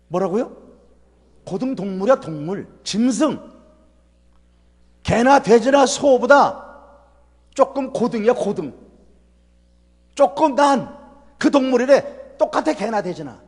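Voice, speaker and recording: High-voiced Korean pastor in a reverberant hall. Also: male voice, expressive, slow, long pauses, darkish tone. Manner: folksy, emphatic, rhetorical questions to the congregation. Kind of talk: revival sermon. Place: church sanctuary.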